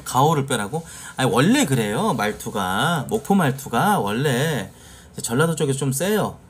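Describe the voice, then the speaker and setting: Animated male streamer with lively pitch. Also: moderate pace, soft background music. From Jeolla, South Korea. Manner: animated storyteller acting out quoted lines. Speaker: live streamer. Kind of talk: casual chat with viewers.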